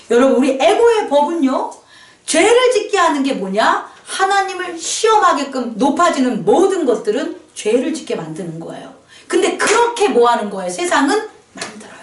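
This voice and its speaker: A woman pastor preaches to her congregation with a high, lively voice that swoops up and down. She keeps asking them questions for answers. The sound is roomy and comes from some distance off the mic. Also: normal speed. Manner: animated preaching with call-and-response questions. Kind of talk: sermon. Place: small church. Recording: echoey church hall, mic at a distance.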